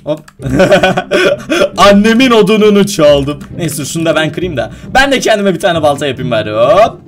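A young man coaching his mother through a video game, laughing often and talking excitedly to his viewers. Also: a little high, quick pace. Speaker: gaming YouTuber. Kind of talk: casual gaming vlog, teaching his mother.

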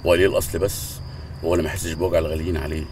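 A man's voice: very deep voice, fairly even intonation, racing, a little mellow. An actor playing a loyal, deferential male servant who speaks with an Egyptian Arabic accent. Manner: deferential, earnest. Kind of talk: TV comedy drama acting. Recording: distant voice with faint outdoor noise.

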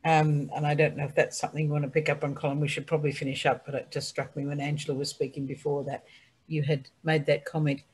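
A woman's voice: sits low, flat delivery, quick pace, darkish tone, husky. An older woman chatting as a panelist on a video call, trailing off with ums as she passes the floor to others. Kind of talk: panel discussion. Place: small room indoors.

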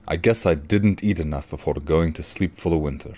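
A man voicing a big, gentle, hungry bear in a children's puppet show, mild and rumbling. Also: a little fast. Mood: apologetic.

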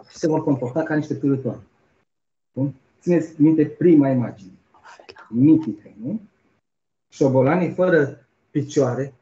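A man's voice: medium pitch, dark tone. A man giving an academic keynote, telling a story and checking in with the audience through rhetorical questions. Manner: storytelling with frequent rhetorical "nu?" tags. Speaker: keynote speaker. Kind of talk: academic lecture, retelling a story. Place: conference hall. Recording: roomy, dull lo-fi lecture recording.

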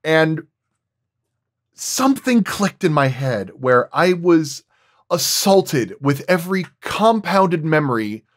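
A man's voice: a little high, very animated, slow. A man who works as a sound designer, talking casually at a roundtable and explaining his craft with examples, often thinking aloud as he goes.

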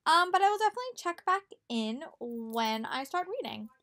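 A woman's voice: high-pitched, big pitch swings, moderate pace, pushed and bright. A young woman and teacher talking casually in a reading vlog, chatty with many fillers and restarts, recorded on a laptop webcam in a small bedroom. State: slightly hoarse from a cold. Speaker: book vlogger and teacher. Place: small bedroom with bookshelves and posters. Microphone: laptop webcam at close range.

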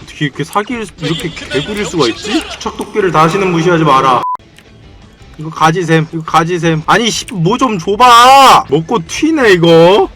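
A male game streamer giving excitable, playful let's-play commentary, full of slangy quips and sudden shouts. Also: high voice, moderate pace, few pauses. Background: faint game music.

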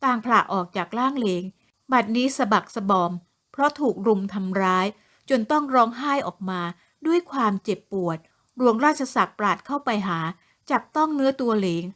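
Storyteller woman, audio novel narration, fairly high voice, steady read. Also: normal speed.

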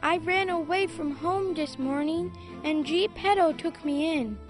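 High-voiced, stuffy little boy. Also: measured pace, faint music behind. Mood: confessing. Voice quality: congested, stuffy. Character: stuffy-nosed little runaway boy who fibs. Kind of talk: audio drama sketch.

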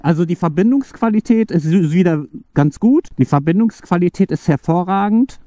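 A man's voice: high-pitched, animated, moderate pace, dark tone, no room sound, clean studio sound. A man hosting his own channel, testing an intercom outdoors on the street and chatting with his partner while riding. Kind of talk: casual on-the-road test commentary.

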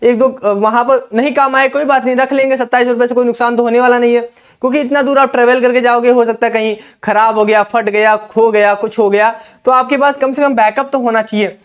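Young man, high smooth voice, whiteboard lesson, lapel mic, instructive. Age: young adult. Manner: instructive, repeats "ठीक है" often. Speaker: exam coach. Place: indoor classroom at a whiteboard.

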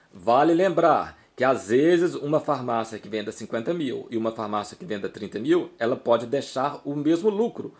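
A man's voice: medium pitch, a little mellow. Brazilian man explaining in an informal lesson. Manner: repetitive, emphatic explaining with frequent check-in tags. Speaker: small-business advice video host. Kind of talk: informal instructional talk to camera, explaining with examples.

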